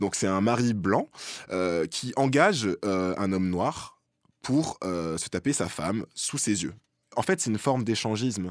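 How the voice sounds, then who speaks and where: A man with a fairly low pitch talks at a fairly slow pace with lively intonation. He has an unremarkable speaking voice, and the recording is very clean with a silent background. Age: 30s. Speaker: podcast host. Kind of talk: casual chat.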